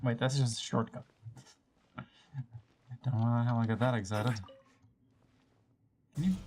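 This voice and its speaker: A woman's voice: very deep voice, steady tone, moderate pace, a little mellow. A woman giving casual commentary as she streams a game, thinking aloud with playful exasperation and plenty of swearing. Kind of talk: casual gameplay commentary, talking to self.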